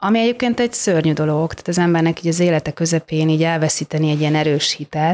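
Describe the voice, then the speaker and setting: This woman talks at a fairly low pitch with ordinary pitch variation, recorded very cleanly against a silent background. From Budapest, Hungary. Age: 40s. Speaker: art historian and curator. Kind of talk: casual interview chat. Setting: studio. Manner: halting, many repeated words.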